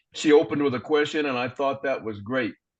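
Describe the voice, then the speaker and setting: In a plain, everyday voice, a man speaks with fairly even intonation. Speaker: general evaluator at a speaking club meeting. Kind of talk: meeting evaluation feedback.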